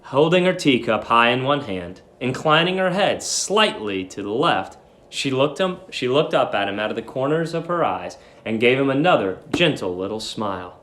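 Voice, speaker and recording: A man's voice: medium pitch, very animated, normal speed, fairly bright tone. A man speaking as a teacher, reading a story aloud and explaining it informally.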